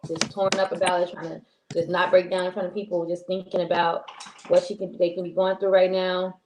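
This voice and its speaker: Woman w chatting on a live stream, lowish voice, rambly, roomy echo and a bit of hiss. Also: level tone, brisk. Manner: rambling, heartfelt, many ums and restarts. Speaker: co-host. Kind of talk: casual live-stream chat. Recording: echoey room with faint noise.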